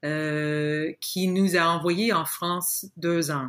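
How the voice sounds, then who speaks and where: Recorded very cleanly against a silent background, a woman with an English accent talks at a fairly low pitch. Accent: English-speaking accent in French. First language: English (speaking French). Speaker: journalist and author. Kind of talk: interview. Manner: halting, many repetitions and fillers.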